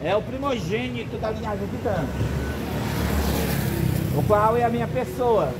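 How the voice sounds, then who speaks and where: Very high-pitched Brazilian man preaching. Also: measured pace, heavy background noise. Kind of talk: sermon, prophetic preaching.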